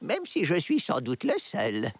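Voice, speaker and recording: A woman's voice: low-pitched, huge pitch swings, measured pace, full character voice. A woman voicing a kindly, modest old grandmother in a French cartoon dub. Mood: proud, modest. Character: kindly, modest grandmother who grows chili peppers.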